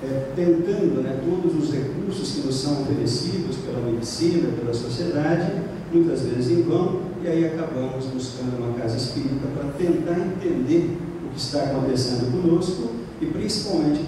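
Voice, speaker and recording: A middle-aged man with a Brazilian Portuguese accent, giving a spiritist lecture in a measured way and rising in pitch on key points. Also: background noise. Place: lecture room at a spiritist center. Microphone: stand mic, filmed from across the room. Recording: echoey hall from far off.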